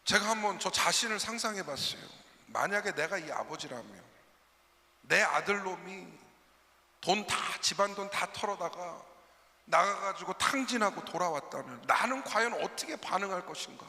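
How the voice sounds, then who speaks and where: A man's voice: high-pitched, expressive, normal speed, bright, forceful tone, long reverb tail. A man preaching a sermon as a pastor, telling a story and speaking directly to his congregation. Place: church sanctuary.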